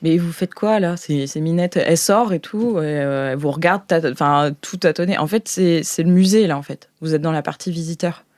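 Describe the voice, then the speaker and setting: A woman hosting as game master, narrating an improvised tabletop game in a playful, colloquial, halting way. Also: low-pitched, a little mellow, no room sound.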